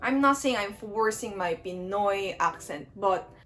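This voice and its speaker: A woman's voice: medium pitch, animated, a little slow, a bit bright, faint music behind. A young woman from Korea, speaking English with a strong Filipino accent and mixing in Tagalog words, chatting casually to the camera as a vlogger. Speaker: content creator.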